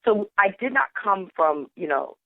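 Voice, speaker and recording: A woman's voice: medium pitch, very animated, moderate pace, dry recording. A woman from Trinidad with a Trinidadian accent, a guest telling her story in a playful, laughing, casual way. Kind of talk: casual interview chat. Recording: tinny phone-line call, dry.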